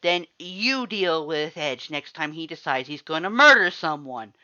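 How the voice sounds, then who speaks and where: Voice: mid-range voice, expressive, unhurried, sharp tone, no room sound, muffled recording, pitched above the performer's own voice. A performer voicing a stubborn, hot-tempered male skeleton monster who growls defiantly in a story reading. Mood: exasperated snarl.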